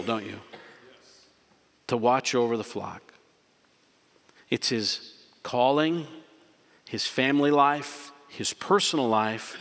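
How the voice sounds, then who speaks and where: A middle-aged man delivers a sermon from the pulpit in a mid-pitched, ordinary voice. He speaks earnestly and with emphasis, stacking repeated phrases. His words ring out into a church sanctuary with a long reverb. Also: a bit bright. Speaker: pastor. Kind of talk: sermon and closing prayer.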